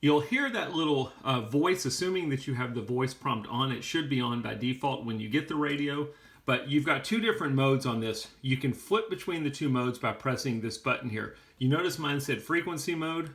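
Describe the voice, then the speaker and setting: A man's voice: medium pitch, expressive, normal speed, fairly bright tone. A man explaining things step by step in a plain-spoken, casual how-to style. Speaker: how-to video host.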